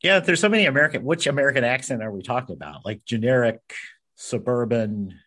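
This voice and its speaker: A man's voice: mid-range voice, expressive, fast, sharp tone. A man co-hosting a podcast, dropping joking asides in casual chat. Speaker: podcast co-host.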